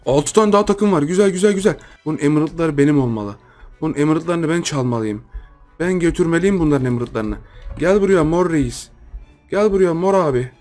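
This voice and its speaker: A man's voice: on the high side, lively intonation, brisk, darkish tone, soft background music. Playful young man with a Turkish accent commentating a game. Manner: playful, teasing, repeats phrases. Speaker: gaming YouTuber. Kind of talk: live gameplay commentary.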